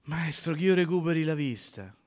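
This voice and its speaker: A man voicing a desperate blind male beggar who cries out in shrill, pleading shouts. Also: expressive, moderate pace, natural voice.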